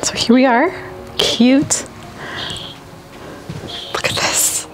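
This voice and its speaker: A woman's voice: high-pitched, very slow, poor audio. A young woman in her twenties vlogging in a car, talking to the camera in an anxious, rambling way with restarts and fillers. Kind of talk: casual vlog talk to camera. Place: inside a car, then a small cabin and outdoors. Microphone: handheld camera at arm's length.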